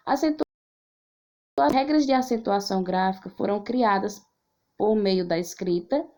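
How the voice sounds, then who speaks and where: A woman teaching an online class, slowly reading out word examples one by one. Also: fairly high pitch, gravelly, a little mellow.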